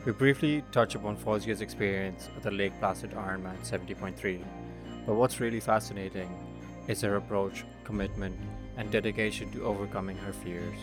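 A male podcast host calmly reading a scripted introduction to his show. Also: fairly low pitch, brisk. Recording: voice over background music.

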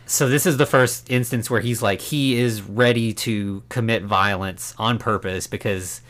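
A man's voice: on the low side, fairly even intonation, unhurried, a bit bright. A man co-hosting a casual podcast, earnestly retelling a film's scenes at length in an easygoing way. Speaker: podcast co-host.

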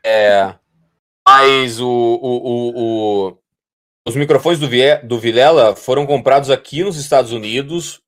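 Informal Brazilian man, medium-pitched voice. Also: unhurried, a bit bright. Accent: Brazilian Portuguese. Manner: informal, repeats phrases, slangy. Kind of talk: casual podcast chat and anecdote.

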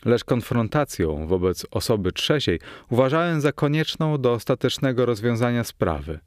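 A man narrating a novel in the first person, in a measured, steady storytelling manner. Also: medium pitch, no room sound, clean studio sound. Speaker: audiobook narrator.

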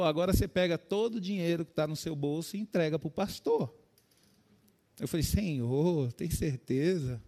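High-pitched Brazilian pastor preaching passionately. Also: male voice, darkish tone. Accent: Brazilian Portuguese. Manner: preaching with sudden rises in pitch and volume, addressing "queridos". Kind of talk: sermon.

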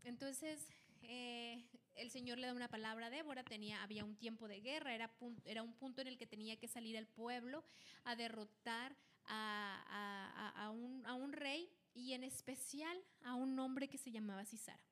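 A woman co-hosting a podcast, retelling a Bible story in casual chat with lively delivery and frequent restarts. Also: a little high, normal speed. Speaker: podcast co-host.

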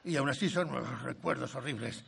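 A man's voice: mid-range voice, a little fast, vocal fry, fairly bright tone, breathy edge, heavily acted. An older man playing an eccentric, theatrical aristocrat who rambles, in a film dub. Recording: film soundtrack with music under.

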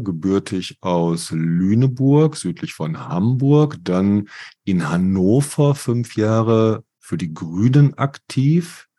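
A man co-hosting a podcast discussion, talking in a measured way with frequent fillers. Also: fairly low pitch, mellow. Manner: slow, measured, with many fillers. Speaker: podcast co-host.

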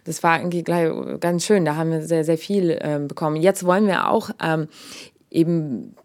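A woman co-hosting a podcast, talking in a relaxed, loose way with many fillers. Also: deep voice, moderate pace. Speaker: podcast co-host. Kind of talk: casual conversational interview.

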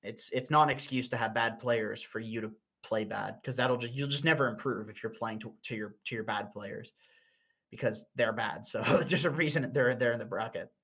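A man's voice: mid-range voice, normal speed, fairly bright tone, husky. A young man streaming and chatting casually, blunt and laughing often, with frequent restarts.

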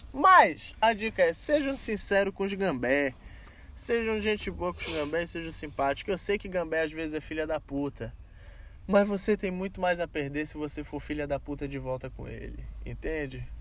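A man's voice: fairly high pitch, a bit bright. A man with a Brazilian Portuguese accent telling stories casually, full of slang and swearing, acting out the dialogue. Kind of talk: casual anecdote telling among friends. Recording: some background noise.

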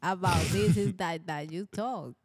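A woman's voice: lowish voice, slow pace, soft background music. A woman with chatting casually on a podcast, mixing in as Spanglish. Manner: Spanglish, mixing English and Spanish.

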